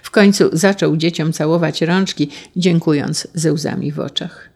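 A narrator reading a children's storybook in an even, unhurried way. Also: mid-range voice.

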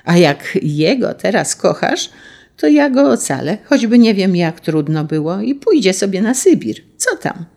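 A woman's voice: medium pitch, sing-song, unhurried, creaky, darkish tone, pitched above the performer's own voice, heavily acted. Woman voicing a drawling, sing-song sinister general. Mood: menacing. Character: sweet-voiced menacing male tsarist general.

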